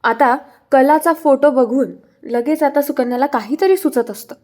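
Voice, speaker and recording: A woman's voice: sits high, normal speed, darkish tone. A woman casually recapping a TV serial episode, chatty, with fillers and restarts.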